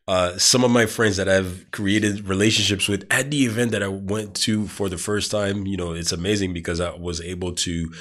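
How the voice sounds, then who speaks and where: A man with a very low, congested voice hosts his podcast alone. He rambles in a casual way, restarting sentences and leaning on fillers as he goes. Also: fairly even intonation, normal speed, few pauses, fairly bright tone. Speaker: podcast host. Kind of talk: casual monologue.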